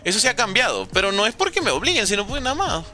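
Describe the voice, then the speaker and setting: A young man in his late teens streams a game and banters with his viewers in a sarcastic, joking tone. His voice is sharp and bright, a little high for a man, and it bounces around a lot as he talks. Faint music plays behind him. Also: sing-song, very fast. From Venezuela. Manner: joking and sarcastic while reading chat questions. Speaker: gaming streamer. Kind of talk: casual livestream commentary.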